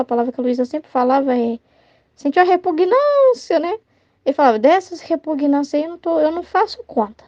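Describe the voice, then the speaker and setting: A woman with a Brazilian accent teaches a faith study in a loose, chatty way, often checking in with her listeners. Her voice sits high but soft and mellow. The recording is dull and lo-fi, with a dry, close sound. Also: no echo. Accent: Brazilian Portuguese. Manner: chatty, tags sentences with "né?", acts out everyday dialogue. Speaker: religious study teacher and child tutor. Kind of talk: informal devotional study talk.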